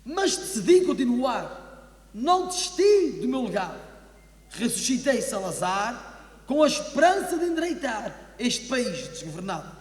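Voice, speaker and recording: A man's voice: very high-pitched, big pitch swings, unhurried. A man performs a rhymed comic stage monologue in a theatrical, declamatory way. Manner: theatrical, declamatory verse delivery. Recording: echoey hall with long reverb.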